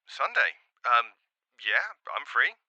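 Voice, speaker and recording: Forceful, excitable English podcaster. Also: male voice, medium pitch, takes it slowly, dry recording, lo-fi sound, exaggerated voice. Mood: curious, polite. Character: excitable, chatty male podcaster investigating a mystery. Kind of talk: naturalistic audio drama dialogue.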